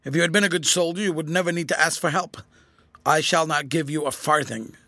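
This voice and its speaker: A man's voice: on the high side, a little fast, sharp tone, dry recording. A man voicing a stern, hot-tempered older general who speaks with command.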